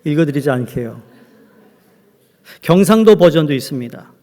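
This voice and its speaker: A man's voice: a little high, expressive, moderate pace, dark tone. A man preaching a sermon as pastor, joking with his congregation. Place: church sanctuary. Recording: long hall reverb.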